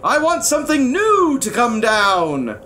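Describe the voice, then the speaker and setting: A man's voice: very high voice, huge pitch swings, unhurried, bright, forceful tone, slight background noise, pitched above the performer's own voice, exaggerated voice. A man voicing an angry, imperious old king in a storybook, growling and bellowing as he stretches out his words.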